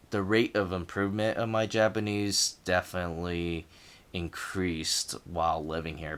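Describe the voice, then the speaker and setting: A man talking casually and reflectively to camera as a language learner, in halting phrases with repeated words. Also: deep voice, fairly bright tone, clean tone. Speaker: language learner sharing progress.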